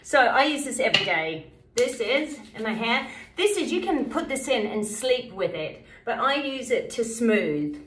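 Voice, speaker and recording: A middle-aged woman with a New Zealand accent, chatting brightly through a hair tutorial at home, laughing often. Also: on the high side, big pitch swings, measured pace. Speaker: beauty vlogger. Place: bright home bathroom, indoors. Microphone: camera a few feet away. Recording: echoey bathroom, mic far off, loud noise. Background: hair dryer noise.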